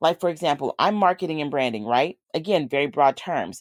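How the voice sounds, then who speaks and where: Recorded dry and close with no echo, a woman talks with lively intonation. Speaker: podcast host, marketing and branding coach. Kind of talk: solo podcast teaching talk. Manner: conversational, direct to listener.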